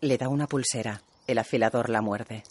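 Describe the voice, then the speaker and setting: Calm male audio describer. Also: medium pitch, normal speed, a little hiss or hum. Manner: calm, even narration.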